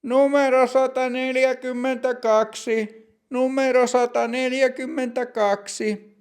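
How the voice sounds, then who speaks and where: A man's voice: high-pitched, lively intonation, gravelly, smooth, voice pushed up. Man putting on a strict older woman bank clerk. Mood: stern. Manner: slow, precise, formal.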